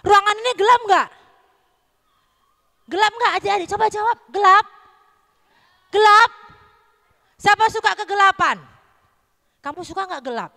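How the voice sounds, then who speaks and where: A woman with a North Sumatran Indonesian accent teaching a children's Christmas Sunday school lesson, lively and quizzing the kids with questions. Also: very high voice, normal speed, long pauses. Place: church hall. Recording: echoey hall.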